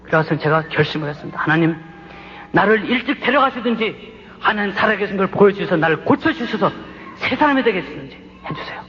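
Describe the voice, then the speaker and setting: A man giving a church testimony in sermon style, passionate and pleading, his voice swinging between hushed and loud. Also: sits high, lively intonation, fast. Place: church sanctuary. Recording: muffled hall recording with faint hiss.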